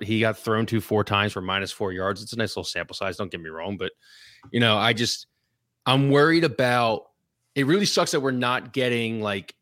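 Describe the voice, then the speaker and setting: Fast-talking man on a dry mic. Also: fairly low pitch, dry recording. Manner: animated, opinionated fan talk. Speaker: sports podcast co-host. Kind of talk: casual sports chat.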